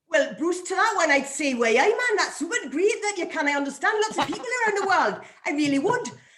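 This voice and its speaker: A woman speaks with an extremely high pitch and very wide pitch swings in an animated tone. She talks at a fairly quick pace with hardly any pauses, and room echo is audible. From UK. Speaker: on-camera confidence coach. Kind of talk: live Q&A on video call.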